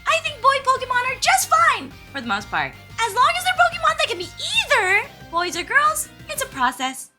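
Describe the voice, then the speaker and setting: A woman's voice: very high voice, wildly swooping pitch, moderate pace, hardly any pauses, sharp tone, soft background music, full character voice. A woman voicing a cheerful, relentlessly friendly young girl trainer in a fan parody cartoon, gushing and earnest.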